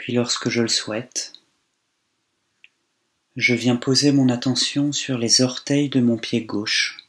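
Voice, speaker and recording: A man guides a meditation with a very level, barely varying intonation. His delivery is slow and calm, with long pauses between phrases, and his pitch sits at an ordinary medium height for a man. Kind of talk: guided body scan meditation.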